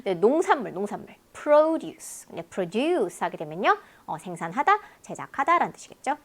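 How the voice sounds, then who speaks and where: A woman teaching English listening in a lecture, explaining word pairs in a lively, talkative way. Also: mid-range voice, fast.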